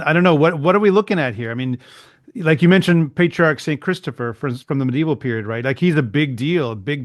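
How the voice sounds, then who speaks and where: A man hosts a casual podcast interview. He asks thoughtful questions and sums up his guest's points before moving on. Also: medium pitch. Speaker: podcast host.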